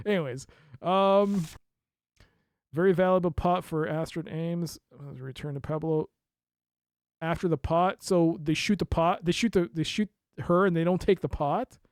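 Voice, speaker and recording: Animated man streaming a mystery game. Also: on the high side, a little slow, clear, resonant tone, dry recording, clean studio sound. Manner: animated, reads notes aloud and laughs at the game. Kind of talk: casual let's play commentary.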